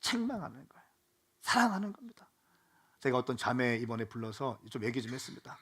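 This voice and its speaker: A middle-aged man preaching a sermon as pastor, moving between slow, pleading passages and loud, fervent exhortation. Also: mid-range voice, sing-song, husky.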